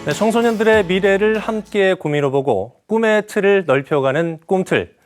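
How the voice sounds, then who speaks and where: Higher-voiced male host introducing a guest. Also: animated, moderate pace, faint music behind. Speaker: program host. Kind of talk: scripted introduction.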